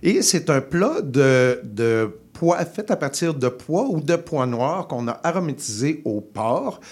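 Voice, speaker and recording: A man's voice: a little high, lively intonation, a little slow, a little mellow, breathy edge. A man giving a casual food column on the radio, playful and chatty, with frequent hesitations. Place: radio studio.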